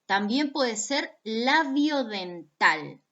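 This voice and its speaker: A woman's voice: on the high side, sing-song, very slow, a bit bright, lo-fi sound. A woman from Argentina with an Argentine accent, giving a recorded phonetics lesson and patiently sounding out examples for her students. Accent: Argentine Spanish. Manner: patient, demonstrates sounds aloud, addresses students directly. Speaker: phonetics teacher. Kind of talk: recorded video lecture.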